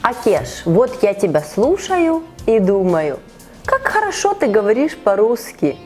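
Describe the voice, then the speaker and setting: A woman hosting an online conversation as a Russian teacher, asking a learner measured, encouraging questions. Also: mid-range voice, huge pitch swings, warm tone, soft background music. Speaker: Russian teacher and podcast host. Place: online call.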